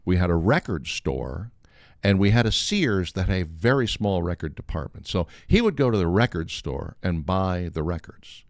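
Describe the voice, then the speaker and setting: A man's voice: low voice, normal speed, dry recording, clean studio sound. An older man telling a humorous anecdote in a casual, wry way, acting out the dialogue as he goes. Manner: animated, acts out quoted dialogue. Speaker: storyteller on a talk show.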